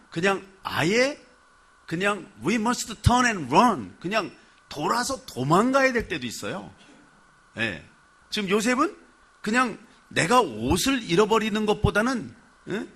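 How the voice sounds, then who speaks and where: A male pastor preaching a sermon, telling the story with animated flair and putting questions to the congregation. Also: a little high, husky.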